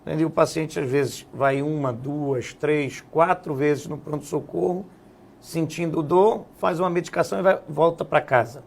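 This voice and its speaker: A man speaks in a political interview, laying out his points in a steady, explanatory way. His voice sits a little high and carries a gravelly edge. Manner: measured, explanatory, frequent "né?" tags. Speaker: guest, health businessman and former legislative assembly president.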